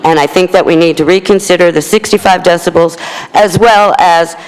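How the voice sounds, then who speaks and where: A woman from Philadelphia with a loud speaking voice, giving public comment as a resident at a meeting. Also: lowish voice, fairly even intonation, fairly quick. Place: large public meeting room. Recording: reverberant meeting hall.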